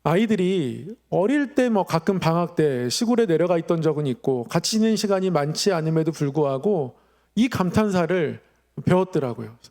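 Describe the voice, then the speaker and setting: A middle-aged man speaks as a pastor giving a sermon. His voice sits high for a man and carries a marked creaky fry. He explains in a measured, courteous manner, point by point. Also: animated, darkish tone. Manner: measured explanatory preaching with polite sentence endings. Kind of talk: Friday evening sermon.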